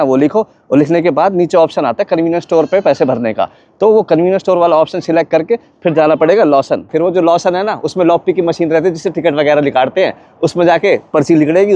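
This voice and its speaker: A man's voice: fairly high pitch, fast, dark tone, dull audio. Brief: Haryanvi guy vlogging, easygoing and jokey, slightly raised voice, chuckles between bits. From Haryana, India. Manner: chatty and joking, laughs between lines. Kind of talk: casual storytelling vlog.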